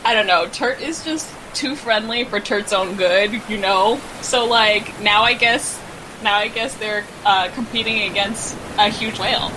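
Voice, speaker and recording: A woman's voice: medium pitch, unhurried. A woman playing a tabletop game, chatting in an informal, slangy, conversational way. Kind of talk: casual roleplaying game chat. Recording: clear background noise, ambient hum.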